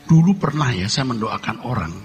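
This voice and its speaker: A man's voice: mid-range voice, animated, normal speed, big-room sound, soft background music. A man preaching a sermon as a pastor, blunt and joking, mixing stern warnings with casual slang.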